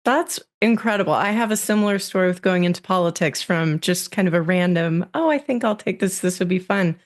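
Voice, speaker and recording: A woman's voice: lowish voice, fairly quick. A woman hosting a business podcast, delivering an upbeat scripted intro and guest bio, then interviewing. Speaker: podcast host.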